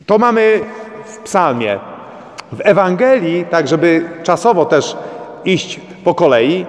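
A man's voice: high-pitched, lively intonation, takes it slowly. A man preaching a sermon as a priest, urging his listeners with repeated rhetorical questions. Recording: long church reverb.

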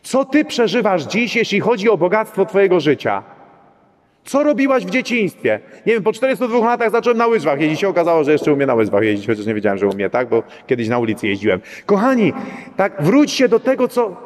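High-voiced middle-aged priest preaching in church. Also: male voice, sing-song, a little fast. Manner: talks directly to the congregation with frequent rhetorical "right?" asides. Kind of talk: conversational sermon. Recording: long reverb of a church.

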